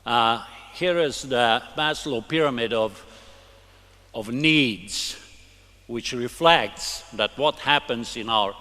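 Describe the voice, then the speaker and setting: An older man with a Hungarian accent, a native Hungarian speaker, giving a halting, deliberate academic lecture to a conference audience. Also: mid-range voice, bright, forceful tone. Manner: halting, deliberate, with many restarts. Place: conference hall. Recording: long hall reverb.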